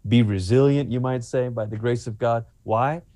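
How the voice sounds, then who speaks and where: A man's voice: medium pitch, steady tone, normal speed, warm tone, no echo. A man from Malaysia, a pastor and author, speaking earnestly as a guest in an interview and repeating himself as he builds a point.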